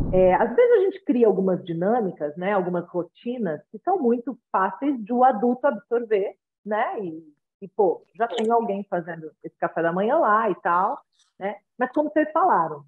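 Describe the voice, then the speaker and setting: A woman with a Brazilian accent, a parenting consultant advising parents in a conversational way, often checking in with tag questions and acting out little exchanges between parent and child. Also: medium pitch. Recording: tinny phone-like line.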